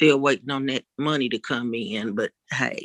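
Recorded dry and close with no echo, a woman speaks in a bright, sharp tone. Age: 50s. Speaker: guest, host's aunt. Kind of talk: casual chat.

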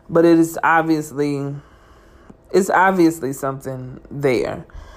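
Very deep, low pitch from a woman at a fairly slow pace, with noticeable background noise. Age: 20s. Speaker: podcast host. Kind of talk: casual monologue. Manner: hesitant, many fillers.

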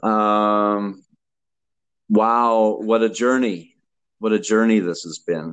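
Speaking at a very slow pace, a man keeps fairly even intonation and leaves long, frequent pauses. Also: fairly low pitch for a man. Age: 50s. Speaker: podcast host, parent advocate. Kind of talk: casual chat. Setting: video call. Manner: halting.

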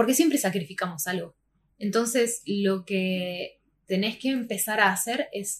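In a Rioplatense accent, a woman speaks at a moderate pace with a medium pitch, a somewhat breathy quality and lively intonation. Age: 30s. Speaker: holistic therapist and podcast host. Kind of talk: motivational livestream talk. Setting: live stream.

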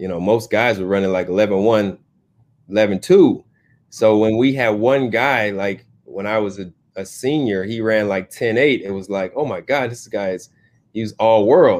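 With an American accent, a man with a plain, everyday voice speaks at a fairly low pitch and a moderate pace, his pitch varying in an ordinary way. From Germany (US military family). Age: 40s. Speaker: former Olympic sprinter. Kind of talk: casual chat.

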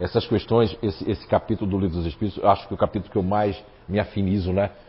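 A somewhat breathy man talks at a very fast pace. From Blumenau, Santa Catarina, Brazil. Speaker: spiritist lecturer. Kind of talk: lecture with audience Q&A. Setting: live in-person event with online audience.

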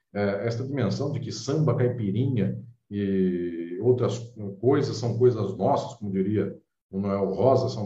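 Amid audible room echo, a man speaks at a fairly slow pace, his fairly low pitch showing ordinary variation. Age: 40s. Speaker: law professor and author. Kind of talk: lecture. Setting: online event. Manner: formal.

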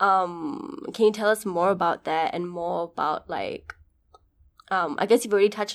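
An ordinary speaking voice, fairly quick, its intonation lively. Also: woman. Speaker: podcast co-host. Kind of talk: casual chat.

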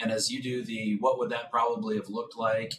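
A man with an American accent speaks at a very fast pace. His medium pitch shows ordinary pitch variation. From Nebraska, US Midwest. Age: 40s. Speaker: investment banking CEO. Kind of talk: interview conversation.

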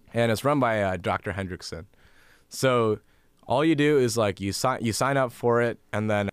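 Someone with a Canadian accent talks in an unremarkable speaking voice on a very clean recording with a silent background. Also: man. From Canada (Barrie, Ontario). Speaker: Bible college student. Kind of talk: interview testimony.

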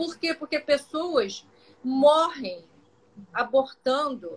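A woman's high-pitched voice with ordinary pitch variation, at a very slow pace. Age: 60s. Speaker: psychologist, writer and speaker. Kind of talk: podcast interview.

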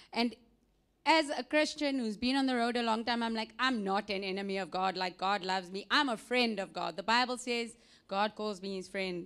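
The speech moves at a moderate pace with ordinary pitch variation, on a very clean recording with a silent background. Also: woman, fairly high pitch for a woman. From South Africa. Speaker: church member. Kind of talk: testimony. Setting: church.

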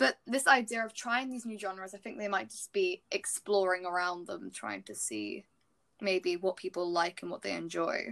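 A woman with a British accent talks at a moderate pace, her loudness swinging widely. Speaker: podcast host. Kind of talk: casual chat.

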